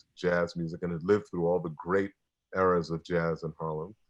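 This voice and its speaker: A man with an American accent speaks at a moderate pace in a very deep, low voice. His intonation stays monotone and flat against a quiet background. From New York City. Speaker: poet and playwright. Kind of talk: interview. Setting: livestreamed talk. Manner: halting.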